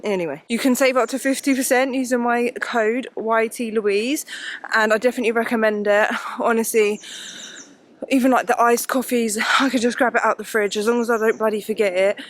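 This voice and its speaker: A woman's voice: on the high side, steady tone, a little fast. A woman vlogging while walking uphill outdoors, chatty and rambling, full of fillers, audibly out of breath. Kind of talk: casual chat while walking. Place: outdoors on a hill walk.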